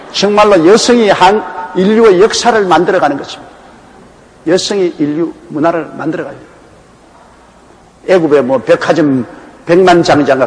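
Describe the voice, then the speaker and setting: Pastor guy from gyeongsang, folksy sermon w/ stories, slightly high voice, faint noise behind. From Gyeongsang province, Korea. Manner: folksy storytelling with anecdotes. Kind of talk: Bible exposition sermon. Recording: echoey hall with faint background noise.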